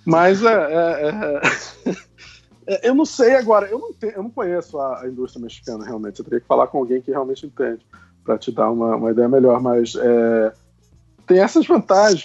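A man with a Brazilian Portuguese accent, rattling off anecdotes very quickly in a gravelly, husky voice. His pitch runs a little high for a man, and the sound is somewhat muffled. He keeps a chatty, easygoing flow. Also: darkish tone. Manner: quick, chatty, laughs while telling anecdotes. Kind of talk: casual group chat.

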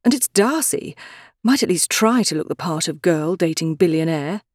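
A woman's voice: animated, normal speed, no echo, clean studio sound. A woman playing a spirited, exasperated young woman. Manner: exasperated, higher and brighter than the narration. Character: anxious, spirited young woman, quick to argue.

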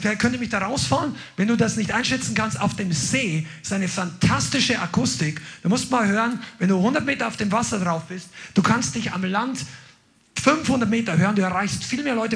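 A man preaching a sermon, energetic and exclaiming to his congregation. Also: extremely high pitch, gravelly. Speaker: pastor.

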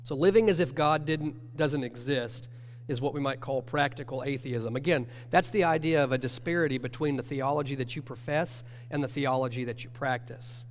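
A man, nasal from a cold, teaching a church class in an earnest, measured way. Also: medium pitch. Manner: earnest, measured, self-correcting. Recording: long hall reverb with faint hum.

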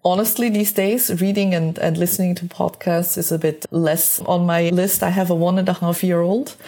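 A woman's voice: fairly low pitch, steady tone, moderate pace, mellow. A woman from Switzerland speaking as an interview guest, reflective and enthusiastic as she talks about her work in a conversational way. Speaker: podcast guest, space mission engineer.

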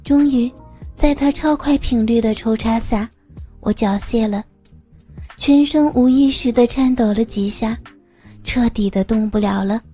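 A woman narrating a first-person adult audio story in an intimate, breathy manner. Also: on the high side, measured pace, mellow, soft background music.

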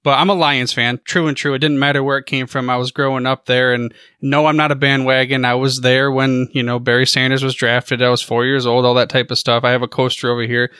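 A man in his thirties hosting a podcast, chatting easily and quick to laugh along with his guest. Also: medium pitch, level tone, pushed and bright, clear, resonant tone, no echo, clean studio sound. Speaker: podcast host. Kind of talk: casual interview chat.

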